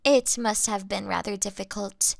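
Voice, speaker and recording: A woman playing a young vampire in an intimate audio roleplay, refined, gentle and apologetic, speaking in formal, polite, deliberate phrases. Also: mid-range voice, steady tone, gravelly, no room sound, clean studio sound. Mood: wistful, grave. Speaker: audio drama performer.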